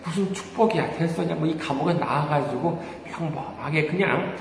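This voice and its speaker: A man's voice: a little high, fairly quick, creaky. A man preaching a sermon as a pastor, conversational and full of rhetorical questions, with many hesitant fillers and little chuckles. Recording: very echoey hall, faint room noise.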